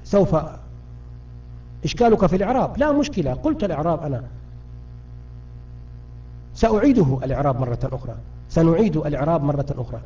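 A high-pitched man leads a grammar lesson, patiently quizzing his class and often stumbling over and repeating his words. His tone is mellow and dark. The audio is dull and lo-fi, as if he sits away from the microphone. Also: lively intonation, fast, pauses often. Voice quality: frequent self-restarts and repeated words. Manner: patient, keeps quizzing students. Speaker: Arabic grammar teacher. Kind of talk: live online grammar lesson. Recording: muffled distant voice, lo-fi.

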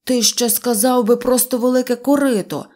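A woman's voice: fairly high pitch, steady tone, darkish tone, voice pushed up, natural voice. A woman voicing a hot-headed little boy who loses his temper easily, in a storybook reading. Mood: indignant. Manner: quick-tempered, blustering.

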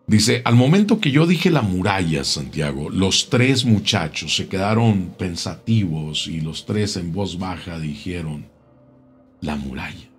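A man telling a local tale in a casual, unhurried way, often repeating words as he goes. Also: deep voice, lively intonation, breathy edge, faint music behind. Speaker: storyteller.

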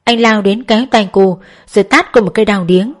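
A woman narrating a novel as an audiobook in a steady storytelling manner. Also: mid-range voice, a little fast.

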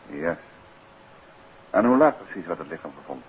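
An actor playing a composed, courteous, inquisitive gentleman detective in a 1950s Dutch radio drama, with a Netherlands Dutch accent. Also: rumbling low, big pitch swings, moderate pace, phone-quality sound. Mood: grave, businesslike. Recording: band-limited, noisy 1950s radio recording.

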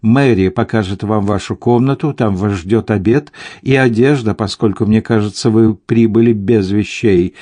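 Proud young mistress of a castle, quick and unbending, low mellow delivery from a male reader, storybook. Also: no echo, natural voice. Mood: commanding. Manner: quick, firm and commanding.

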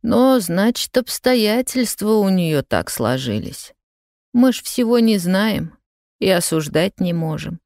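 A woman voicing a calm, elderly great-grandmother comforting a frightened child. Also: mid-range voice, slow, no echo, clean studio sound, pitched above the performer's own voice. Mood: soothing. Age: older. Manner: calm, soothing.

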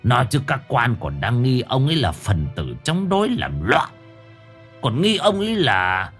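A man's voice: medium pitch, huge pitch swings, unhurried, a bit bright, faint music behind, voice pushed up, full character voice. A man voicing a sly, bullying village chief who barks and sneers. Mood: sly wheedling. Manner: barking, sneering.

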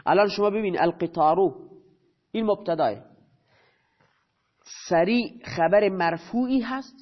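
High-voiced man teaching a grammar lesson. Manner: poses questions and answers them himself; repeats key terms slowly. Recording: dull lo-fi recording.

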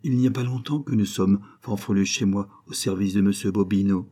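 A man reading aloud voices a calm young gypsy woman who works at a fairground, speaking plainly and earnestly. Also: lowish voice, fairly quick, close to an everyday voice.

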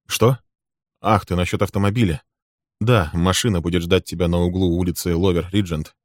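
A cornered swindler speaks low and tense, trying to talk his way out, as a male storybook reader puts him on. His deep voice sits dry and close to the mic. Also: fairly even intonation, moderate pace, no echo. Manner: tense, evasive, hushed. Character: nervous scheming swindler, grown man. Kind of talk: dramatic audiobook reading.

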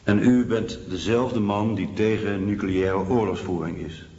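A man acting a formal interrogator in a radio play, low-voiced and probing. His measured questions ring through a big reverberant hall, on a dull recording with some noise. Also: fairly even intonation, a little mellow, lightly acted. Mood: probing, controlled. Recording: echoey hall, long reverb, muffled, noisy.

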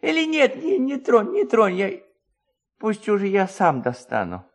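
A man's voice: high voice, huge pitch swings, unhurried, pitched above the performer's own voice, full character voice. Guy doing a drunk stubborn village peasant from a storybook, grumbly, repeats himself, voice all over the place. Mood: grumbling, weary.

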